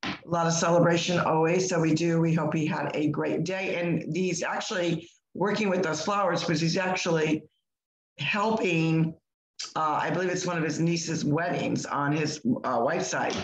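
An older woman with a hoarse voice co-hosting a live podcast, chatting in a rambling way with lots of restarts, over a video call from home. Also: sits low, fairly even intonation, moderate pace, reverberant, poor audio. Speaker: podcast co-host. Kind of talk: casual live podcast chat.

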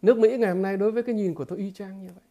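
A man giving a political commentary monologue to his viewers, halting and repeating filler words, emphatic and blunt. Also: sits high, fairly even intonation, warm tone. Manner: emphatic, with blunt crude imagery.

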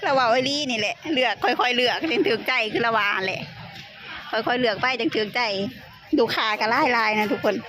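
A woman's voice: on the high side, fairly quick, fairly bright tone. A woman with an Isan accent chatting casually to viewers as she shops, exclaiming and repeating her phrases. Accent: Isan (northeastern Thai). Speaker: shopping vlogger addressing viewers. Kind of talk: casual live vlog chat while shopping at a market. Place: busy market. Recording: noisy market ambience.

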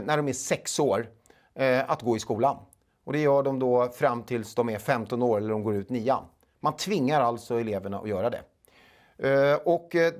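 Swedish man in his 40s, interview guest, halting delivery, lots of fillers, lapel mic. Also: medium pitch. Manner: halting, many filler sounds. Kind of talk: studio interview. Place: small studio.

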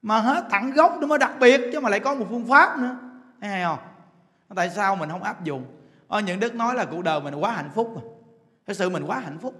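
Southern Vietnamese monk-teacher, man, very high voice, playful sermon in an echoing temple hall. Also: animated, fairly quick, pushed and bright. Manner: chatty, laughs often, keeps asking "understand?". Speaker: Buddhist Dharma teacher. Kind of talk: lively sermon to a congregation. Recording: long hall reverb.

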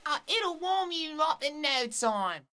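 A polite, old-fashioned servant offering tea in a very high, bright voice. The delivery swoops in a lively way. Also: male voice, slow, full character voice. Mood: polite, inviting.

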